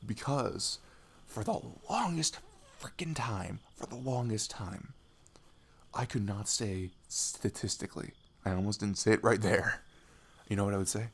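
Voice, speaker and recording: Man acting a goofy best friend, creaky low voice. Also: unhurried, a little hiss or hum. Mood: playful, rambling. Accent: American. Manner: rambling, giggly, self-deprecating, drops into murmurs. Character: goofy, affectionate male best friend, big and chatty. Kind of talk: casual intimate ASMR roleplay.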